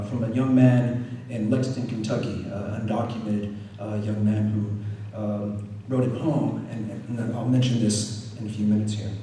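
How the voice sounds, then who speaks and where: A poet speaks to a crowd in an easygoing way, with a mellow tone and a mid-range pitch for a man. He is recorded from some distance in a very reverberant room with faint background noise. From Arizona, United States. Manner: relaxed chatty asides, animated when reading. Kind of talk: poetry reading. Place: poetry reading venue.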